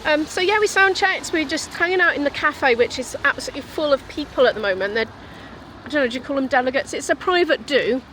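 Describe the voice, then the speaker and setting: A woman's voice: sits high, animated, fast talker, a bit bright, echoey room, a little hiss or hum, poor audio. A British woman vlogging casually to a handheld camera, chatty and rambling with cheerful asides. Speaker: vlogger and musician. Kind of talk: casual vlog chat. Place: venue cafe, then at home.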